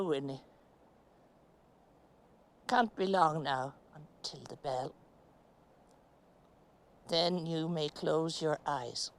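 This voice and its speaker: A slow, halting buried woman. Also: fairly low pitch. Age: middle-aged. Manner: slow, deliberate, halting delivery with long pauses. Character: middle-aged woman buried in earth, chattering, stoic. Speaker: actress in a filmed stage play. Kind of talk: absurdist stage monologue.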